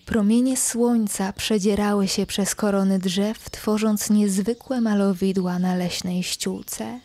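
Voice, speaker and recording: A young woman host narrating her own horror story, slow and hushed, often dropping to a whisper. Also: medium pitch.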